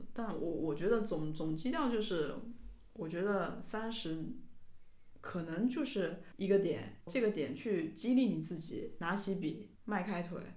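Audible room echo carries a woman's medium-pitched voice as she speaks at a fairly slow pace with lively intonation. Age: 20s. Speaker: podcast co-host. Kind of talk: casual chat.

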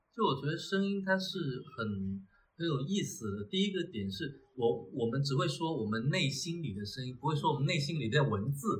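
Over noticeable background noise, a man with a fairly high pitch speaks at a moderate pace, his pitch swinging very widely. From Chaoshan, Guangdong. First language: Teochew (speaking Chinese). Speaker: podcast co-host. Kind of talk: casual chat. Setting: bookstore.

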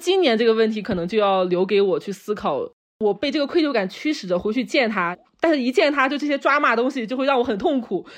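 Over a quiet background, a woman talks at a very fast pace and fairly high pitch with very wide pitch swings. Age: 30s. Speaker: listener sharing personal story. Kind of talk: personal testimony.

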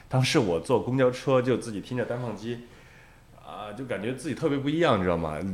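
A man's normal speaking voice at a fairly quick pace, with lively intonation. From Sichuan, Zigong. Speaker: metal band singer. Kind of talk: interview conversation.

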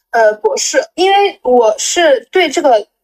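Speaking at a fairly slow pace, a woman's voice swings very widely in pitch. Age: 20s. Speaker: entrepreneur caller. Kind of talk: casual call-in consultation.

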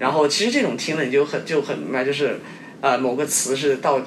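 There is noticeable background noise and audible room echo around a man's voice. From Chengdu, Sichuan, China. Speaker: podcast guest. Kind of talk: casual chat. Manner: halting.

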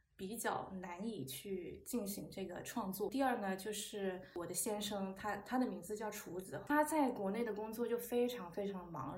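A woman speaks at a moderate pace in a medium pitch. Audible room echo and noticeable background noise fill the recording. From southern China, Shenzhen. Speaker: podcast co-host. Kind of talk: casual chat.

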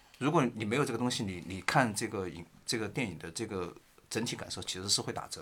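The pace is very fast. A man with a fairly low pitch speaks with lively intonation. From Sichuan, China. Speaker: podcast guest, plant enthusiast. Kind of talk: casual chat.

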